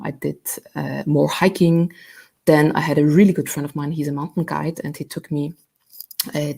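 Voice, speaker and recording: Low gravelly woman. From Austria. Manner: relaxed and chatty, many fillers and repeats. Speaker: guest. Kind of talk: casual interview chat. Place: at home.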